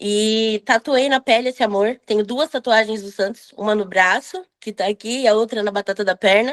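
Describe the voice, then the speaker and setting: Speaking at a moderate pace with hardly any pauses, a woman with an ordinary speaking voice and a fairly high pitch uses ordinary pitch variation, recorded with a dry, close sound with no echo and a quiet background. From São Paulo state north coast, Brazil. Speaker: football fan, makeup brand promoter. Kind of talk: casual interview chat.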